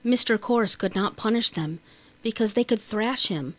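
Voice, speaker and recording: Woman, audiobook narrator, medium pitch, measured and expressive storytelling, scripted children's fiction.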